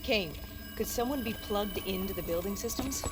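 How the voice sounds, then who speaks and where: A woman's voice: mid-range voice, normal speed, loud music behind the voice, close to an everyday voice. An actress playing a terse, determined female special-ops soldier in a video game who asks short, pointed questions. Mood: steady. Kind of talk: video game cutscene acting.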